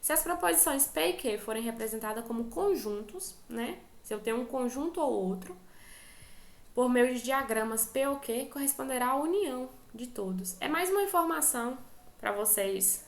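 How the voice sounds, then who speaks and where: A woman teacher with a Brazilian Portuguese accent gives an online class lecture, patiently explaining each step and checking in with her students. Her high-pitched voice is expressive, with vocal fry, at normal speed, and the sound is roomy.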